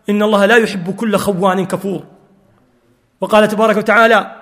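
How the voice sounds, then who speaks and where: A man delivers a fervent sermon in a high, carrying voice. His words ring out with a long reverb, as if in a large mosque or lecture hall. He weaves scripture quotations into his preaching. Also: fairly bright tone. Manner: fervent, quotes scripture and stories.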